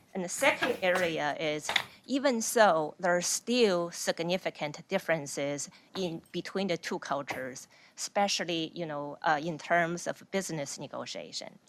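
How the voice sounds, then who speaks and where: Fairly low-pitched speech from a woman with a Chinese accent, at a moderate pace with lively intonation. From China. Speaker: lawyer, panel presenter. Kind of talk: presentation to an audience.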